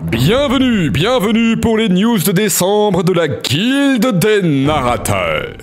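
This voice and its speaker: A man's voice: sits high, very animated, slow. A man reading a scripted news bulletin as a host, with a theatrical announcer's delivery. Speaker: channel host presenting news. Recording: music behind. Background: music.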